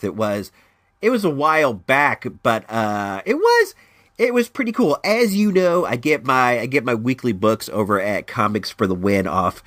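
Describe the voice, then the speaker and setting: A Northern California man runs his own podcast, rambling in easygoing chat with many restarts and animated variation, his voice thick with allergy congestion. His voice is mid-range, with no room sound in the recording.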